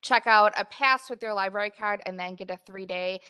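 A woman's voice: mid-range voice, a little fast, pushed and bright, clear, resonant tone. A woman, presenting a library report at a board meeting, upbeat with frequent fillers, speaking into a desk mic in a meeting room. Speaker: library director. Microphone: desk mic in front.

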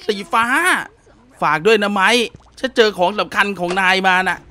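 A man hosting a gaming channel, chatting excitedly and dubbing the characters as he plays. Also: sits high, moderate pace, slight background noise. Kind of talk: playful game commentary.

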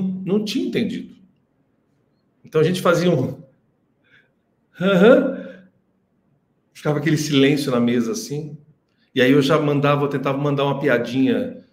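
A man's voice: mid-range voice, reverberant. A man, a singing teacher telling stories casually on a live stream, laughing often and acting out what others said. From Brazil. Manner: animated, laughing storyteller who acts out quotes.

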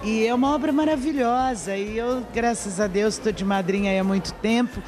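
A woman's voice: a little high, brisk. A woman with a Brazilian Portuguese accent, a TV presenter chatting effusively at a party. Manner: warm, effusive praise. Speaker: event godmother and TV presenter. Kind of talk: casual chat. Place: crowded evening party venue.

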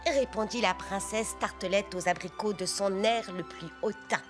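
A woman voicing a gentle young girl who tells fairy tales softly and dramatically in a children's cartoon. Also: medium pitch, moderate pace, music in the background, lightly acted. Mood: dramatic, gentle. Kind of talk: storybook narration in a children's cartoon.

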